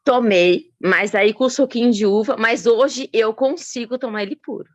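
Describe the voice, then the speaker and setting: A woman guest chatting casually about her experience, animated and talkative. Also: on the high side, moderate pace, no room sound, muffled recording. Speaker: guest giving testimonial. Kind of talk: casual chat.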